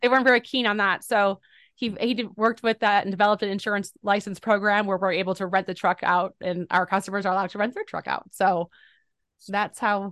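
A woman with a plain, everyday voice of medium pitch talks at a fairly quick pace, the sound dry and close with no echo against a quiet background. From Texas, San Antonio area. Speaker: CEO of family trucking company. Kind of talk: interview.

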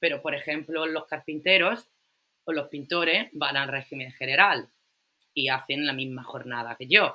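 Very deep, low-pitched woman's voice, bright and sharp in tone, at a fairly slow pace. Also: ordinary pitch variation, big swings in loudness. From Italy. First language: Italian (speaking Spanish). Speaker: film art director. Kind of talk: interview.

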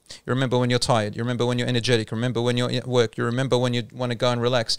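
In a very clean recording with a silent background, a man with an Australian accent talks very fast at medium pitch. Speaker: Islamic preacher. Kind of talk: religious talk in a podcast discussion.

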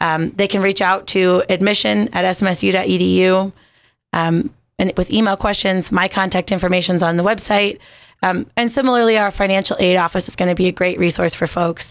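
A woman with an ordinary speaking voice talks at a moderate pace with medium pitch and fairly even intonation, on a very clean recording with a silent background. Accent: American. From Oregon, US Pacific Northwest. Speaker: university admissions director. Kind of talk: radio interview. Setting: radio studio.

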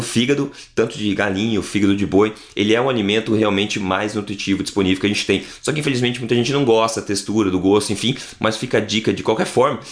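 A very fast-talking man at medium pitch, with fairly even intonation. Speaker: health podcast host. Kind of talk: casual chat.

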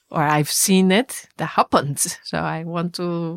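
A woman with a Japanese accent, fairly low-pitched, at a very slow pace with fairly even intonation, in a very clean, dry, close recording with no echo and a silent background. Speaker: university professor. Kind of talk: interview conversation.

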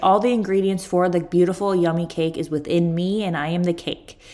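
A woman with a fairly low pitch and fairly even intonation speaks in an ordinary speaking voice. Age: 30s. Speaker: podcast host and business coach for mothers. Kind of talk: solo podcast monologue. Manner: casual and conversational.

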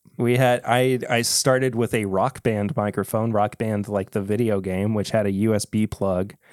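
A man with an American accent and a fairly low pitch, at a moderate pace with hardly any pauses and very even loudness, in a very clean recording with a silent background and a dry, close sound with no echo. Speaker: podcast host. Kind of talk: casual chat. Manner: presenter-style delivery.

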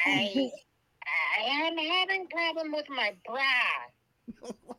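A put-on character voice pitched high. It moves at a very slow pace. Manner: strange, unnatural, alien-like.

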